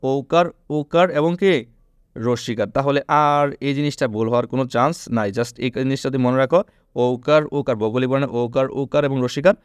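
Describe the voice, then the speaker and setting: Male tutor, rapid and clear, drills rules by repetition and quick questions. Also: medium pitch, steady tone, no room sound, clean studio sound. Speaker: teacher. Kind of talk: online spelling lesson.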